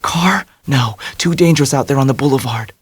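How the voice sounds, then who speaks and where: A bubbly, breezy young blonde woman, as a male narrator puts her on, raised well above his own low voice. She sounds confident and carefree in an audiobook reading. The sound is dry and close. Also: brisk, breathy edge, no room sound.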